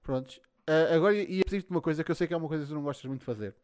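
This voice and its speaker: A man's voice: fairly high pitch, very fast, darkish tone, clean tone. A man with a European Portuguese accent hosting a livestream in a casual, sweary chat style. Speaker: livestream host.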